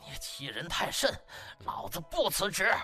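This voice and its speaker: Brief: male narrator as proud elderly doctor at breaking point, wildly swinging pitch, desperate audiobook outbursts. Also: wildly swooping pitch, unhurried, breathy edge, soft background music, exaggerated voice. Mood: defiant rage. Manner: shouting, trembling outrage. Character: enraged, desperate old male doctor clinging to his post. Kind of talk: audiobook character acting.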